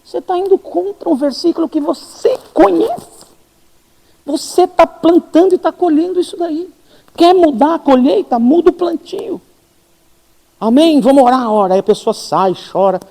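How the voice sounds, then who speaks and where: A Brazilian-accented pastor preaches at a church service in a high-pitched voice. He is an animated, self-mocking storyteller who acts out the dialogue in his anecdotes. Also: moderate pace, gravelly, in a large hall. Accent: Brazilian Portuguese. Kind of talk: sermon with humorous anecdotes.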